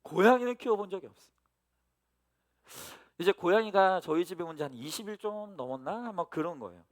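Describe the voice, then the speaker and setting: Male pastor, middle-aged, high and animated, storytelling sermon to the congregation. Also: brisk. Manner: storytelling with lively asides to the congregation.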